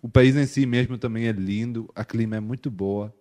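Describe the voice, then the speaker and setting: Non-native man with a European Portuguese accent, halting and searching for words, casual interview guest. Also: mid-range voice, fairly even intonation, dark tone. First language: not Portuguese. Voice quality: hesitant, with frequent restarts and filler checks. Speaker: missionary guest.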